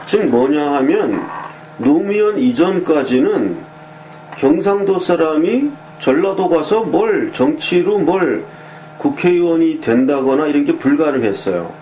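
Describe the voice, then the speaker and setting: Mellow, fairly high-voiced man giving commentary. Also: animated, unhurried, a little hiss or hum, poor audio. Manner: conversational, frequent fillers and affirming asides; pointed, sharply critical opinions. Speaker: political commentator. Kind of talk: casual spoken commentary.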